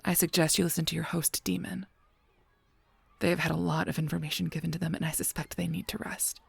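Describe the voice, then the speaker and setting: An actor playing a solemn, protective guardian angel in an audio drama, speaking gravely and formally with a husky voice. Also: mid-range voice, flat delivery, no echo, exaggerated voice. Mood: firm, calm. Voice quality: husky, breathy, creaky voice. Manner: grave, measured, formal speech. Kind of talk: scripted audio roleplay acting.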